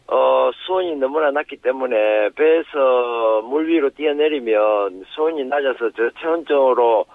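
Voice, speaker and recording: A professor on a tinny phone line. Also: male voice, mid-range voice, creaky, no room sound. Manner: measured, explanatory, pauses with frequent fillers. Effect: heard over a phone line. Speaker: professor, expert guest. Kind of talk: explaining on a news interview.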